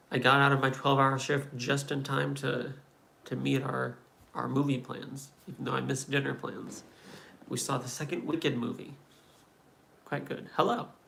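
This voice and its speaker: Speaking with an American accent, a man at medium pitch talks at a moderate pace with monotone, flat intonation and long, frequent pauses. Audible room echo surrounds his voice. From Kansas, US. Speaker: atheist streamer. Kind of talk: casual live stream chat. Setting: home desk, live stream.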